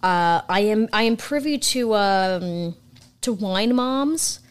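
A woman's voice: medium pitch, lively intonation, slow pace, clean tone. A young woman co-hosting a podcast in casual, irreverent chat, rambling with lots of fillers. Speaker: podcast co-host.

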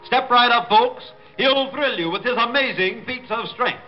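An actor playing a carnival barker calling in the crowd with booming sales patter in a radio drama. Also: male voice, normal speed, faint music behind. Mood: hawking. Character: loud male carnival barker, showman. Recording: dull lo-fi old radio transcription.

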